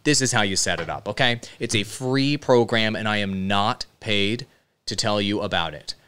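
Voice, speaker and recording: A man hosts a casual software tutorial, explaining each step. His voice is fairly low and clean, recorded close on a broadcast microphone indoors. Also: clean tone. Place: indoor streaming room. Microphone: close dynamic broadcast microphone with headset monitoring.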